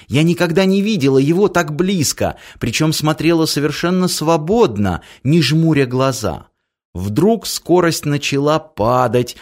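A man reading a first-person story aloud in a measured way, with long pauses. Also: mid-range voice, a little mellow. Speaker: audiobook narrator.

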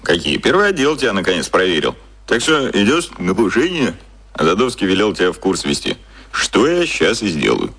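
Low, husky, cocky boss. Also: male voice, wildly swooping pitch, a little fast, a bit bright, exaggerated voice. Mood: casual, businesslike. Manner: offhand, colloquial explaining. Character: cynical, cocky male boss explaining secret media machinery. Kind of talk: radio drama dialogue.

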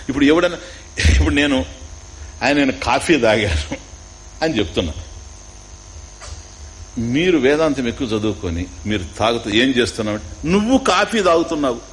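A man's voice: mid-range voice, a bit bright, slight background noise, poor audio. A man with a Telugu accent giving a spiritual discourse on scripture, teaching through questions and repetition and mixing in English words. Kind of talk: Upanishad discourse.

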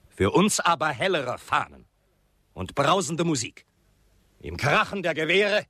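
A grandiose white railway chief in a radio western. His voice is bright and forceful, swinging widely in pitch, recorded very dry. He mocks and speechifies with sardonic relish. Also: no echo, full character voice. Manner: sardonic, rhetorical, theatrical. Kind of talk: radio drama acting.

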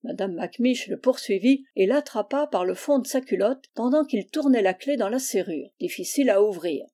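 A woman narrating a classic children's novel in an even, measured reading voice. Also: medium pitch. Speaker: audiobook reader. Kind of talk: storybook narration.

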